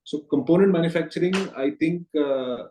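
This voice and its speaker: A man with an Indian accent answering as a company executive on an earnings call, explaining things in a measured, hesitant way. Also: on the high side, warm tone, slight background noise. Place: conference call. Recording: roomy echoing conference call audio.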